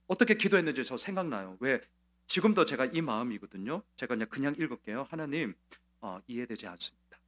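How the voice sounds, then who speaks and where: A male pastor delivers a Sunday sermon in a church, speaking at an ordinary middle pitch. He tells the story in a conversational way, with many fillers and repeated words. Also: a bit bright. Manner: conversational storytelling, quoting others in a changed voice.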